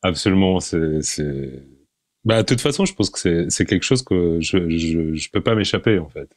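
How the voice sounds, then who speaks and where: A man in his forties, a podcast guest, talking in a relaxed, hesitant way, often repeating words and laughing. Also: low voice, moderate pace, no echo, studio quality. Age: 40s. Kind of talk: casual interview.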